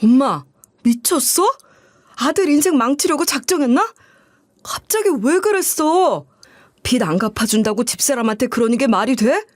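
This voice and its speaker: An angry, loyal husband in a dramatized life story, laying into his mother with heated scolding, voiced by a woman narrator. The voice sits somewhat high, close and dry. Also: darkish tone, no echo, natural voice.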